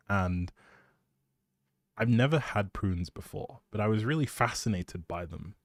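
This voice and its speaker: Man, low voice, casual livestream chat, appreciative, thinking aloud, dry close-mic sound. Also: a little mellow, no echo. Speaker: live streamer. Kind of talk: casual rambling game stream chat.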